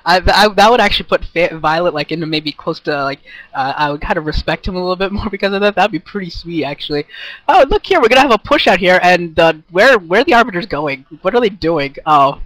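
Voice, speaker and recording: A young man co-commentating a game, sarcastic and excitable with quick jokes, on a headset mic. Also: high-pitched, dry recording, poor audio. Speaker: esports co-commentator.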